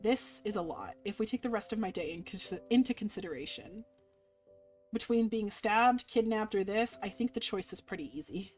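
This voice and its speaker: A woman's voice: medium pitch, moderate pace, a little mellow, close to an everyday voice. Tired wary main character woman reading, self-deprecating n hesitant, visual novel, music behind. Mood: wry, wary. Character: wary, weary, self-deprecating human trapped in limbo. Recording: music playing underneath.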